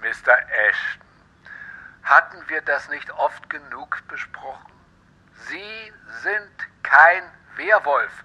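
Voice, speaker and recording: An actor playing a firm, reassuring psychiatric doctor in a horror audio drama, reasoning insistently. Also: male voice, a little high, very animated, slow, pushed and bright, husky, heavily acted, low-quality recording.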